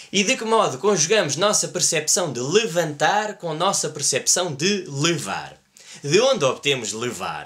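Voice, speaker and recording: The intonation is lively and the pace fairly slow, with a quiet background. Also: man. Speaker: language educator. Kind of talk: lecture. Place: home room.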